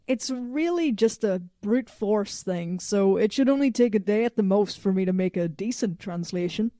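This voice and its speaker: A woman's voice: medium pitch, normal speed, mellow, dry recording, clean studio sound, close to an everyday voice. A woman playing a blunt, brainy researcher with a frank, matter-of-fact manner in an audio drama. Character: blunt, brainy female researcher displaced in time.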